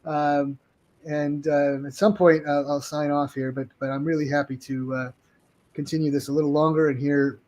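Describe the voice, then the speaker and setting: A man talking as an interview guest about his game products, halting and restarting often. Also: fairly high pitch, little pitch movement, darkish tone, dull audio. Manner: halting, restarts with many ums and uhs. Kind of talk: casual interview chat.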